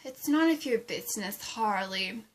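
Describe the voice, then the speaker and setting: A woman playing a haughty, seductive plant villainess with a breathy voice and a condescending, theatrical drawl in an amateur roleplay. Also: medium pitch, animated, a little slow, poor audio. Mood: irritated.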